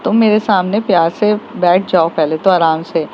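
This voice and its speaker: A woman doing a gentle, calm senior lady. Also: lowish voice, moderate pace, dull audio, a little hiss or hum, natural voice. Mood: soothing. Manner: gentle, soothing. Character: kind, calm older woman, event boss.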